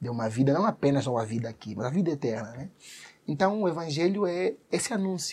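A somewhat breathy male voice. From Angola, Luanda. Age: 30s. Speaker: pastor. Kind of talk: interview.

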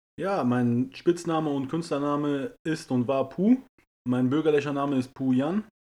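Against a quiet background, a man speaks with a dark, mellow tone, a fairly high pitch, ordinary pitch variation and a moderate pace. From Germany, Münster (Westphalia). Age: 30s. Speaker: stand-up comedian. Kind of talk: casual chat.

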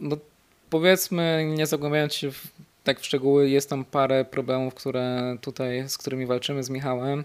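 In a fairly high pitch, a man speaks with monotone, flat intonation. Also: moderate pace. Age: 20s. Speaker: entrepreneur. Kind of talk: interview.

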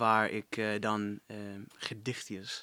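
Recorded very cleanly with a silent background, this man speaks with an English accent. His tone is bright and sharp. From New Zealand. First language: English (speaking Dutch). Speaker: singer and trombonist. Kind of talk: casual interview.

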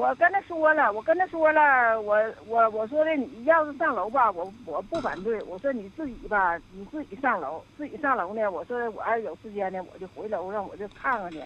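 With a Northeastern Chinese accent, a woman speaks at a moderate pace and fairly high pitch. Her pitch swings very widely, and her loudness rises and falls in big swings. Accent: Northeastern Mandarin. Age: 50s. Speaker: radio call-in listener. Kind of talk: phone-in advice call. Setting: phone call. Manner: halting, many repetitions.

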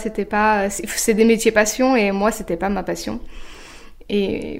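The speaker is a woman with fairly high pitch. Her intonation is monotone and flat. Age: 30s. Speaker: birth educator and podcaster. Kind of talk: casual interview, personal birth testimony.

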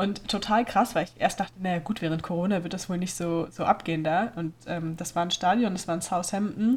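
Somewhat breathy, a woman talks at medium pitch and a fairly quick pace. Her intonation stays fairly even. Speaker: podcast co-host. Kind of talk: casual chat.

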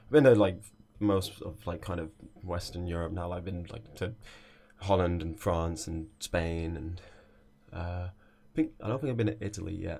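A man with a very deep, low pitch and a dark, mellow tone sounds somewhat breathy, showing ordinary pitch variation and big swings in loudness. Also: moderate pace, very clean recording, silent background. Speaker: podcast guest. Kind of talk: casual chat. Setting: inside a wardrobe. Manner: hesitant, many fillers and repeats.

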